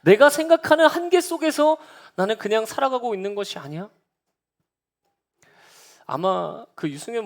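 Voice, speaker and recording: A young man, a junior pastor, preaching a sermon at a midweek prayer service, telling stories earnestly and acting out the words of others. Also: fairly high pitch. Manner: storytelling, quoting others with lively voices.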